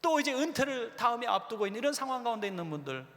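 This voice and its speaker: Animated Korean pastor preaching in a hall. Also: male voice, extremely high pitch, racing. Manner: animated storytelling preacher, acts out quoted voices. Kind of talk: revival sermon. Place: church sanctuary. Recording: long church hall reverb.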